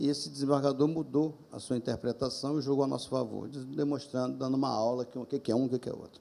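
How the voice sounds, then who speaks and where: A man talks at a very fast pace with hardly any pauses, using a dark, mellow tone, medium pitch and monotone, flat intonation. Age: 60s. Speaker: maritime lawyer, conference panelist. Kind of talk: conference panel talk.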